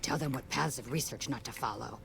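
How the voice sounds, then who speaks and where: A woman voicing a weary female ghoul scientist in a video game, matter-of-fact and brisk. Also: a bass voice, vocal fry, background noise. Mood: dry.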